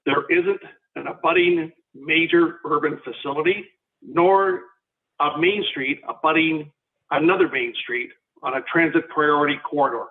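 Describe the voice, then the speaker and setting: A man calling into a committee webinar over a phone speaker, reading a formal, measured statement as a public delegate. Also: on the high side. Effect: heard over a phone speaker. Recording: tinny phone-line audio.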